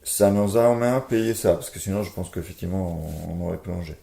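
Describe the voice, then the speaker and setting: A man's voice: low voice, a little fast, gravelly, mellow, reverberant. A man with an Italian accent, a board game publisher talking casually in an interview, hesitant with many fillers and restarts.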